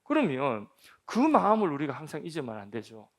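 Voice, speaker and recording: A man's voice: a little high, huge pitch swings, fairly quick. A man, a senior pastor, preaching a sermon at a church prayer meeting with emphatic delivery and frequent rhetorical questions to the congregation. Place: church sanctuary.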